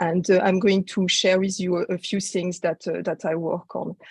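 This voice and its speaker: A woman speaks at a fairly quick pace with a French accent, a medium pitch and somewhat breathy delivery. Her intonation is fairly even, the sound dry and close with no echo, the background quiet. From France. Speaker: researcher development consultant. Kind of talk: panel presentation. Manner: halting.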